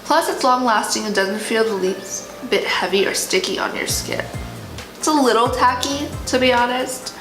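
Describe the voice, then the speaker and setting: A woman chatting casually and excitably as a beauty vlogger, gushing over products while she has hiccups. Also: fairly high pitch, normal speed. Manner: talking while having hiccups. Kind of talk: casual product unbagging chat. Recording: roomy echo, music behind. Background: music.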